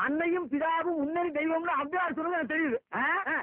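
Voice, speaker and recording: A man in a film comedy scene, scolding and mocking others with quick insults. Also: very high voice, steady tone, no echo. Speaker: comic film actor. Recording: tinny lo-fi film audio.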